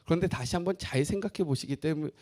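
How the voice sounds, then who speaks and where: A man's voice: a little high, fast talker, a little mellow. A man preaching a sermon as pastor, who jokes with the congregation and asks them questions.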